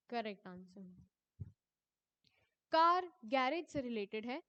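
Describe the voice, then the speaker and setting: A young woman teacher works through an exam paper, her voice pitched high. She reads each question out slowly and drops her tone at every answer, then explains it briskly in Hindi mixed with English. The recording is dry and close. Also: fairly bright tone, clean tone, no room sound. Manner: addresses students as children, ends answers with a falling tone.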